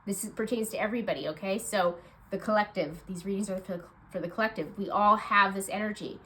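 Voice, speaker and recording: A woman's voice: medium pitch, fast, slight background noise, low-quality recording. Stuffed-up, nasal, chatty woman. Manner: bubbly, chatty, many fillers, bursts of excitement. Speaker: intuitive card reader. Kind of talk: casual tarot reading chat.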